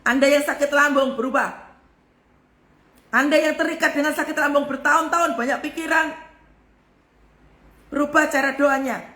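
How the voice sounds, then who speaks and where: A woman pastor giving a live devotional sermon with a forceful, emphatic delivery. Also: high-pitched, fairly even intonation, normal speed, long pauses, echoey room.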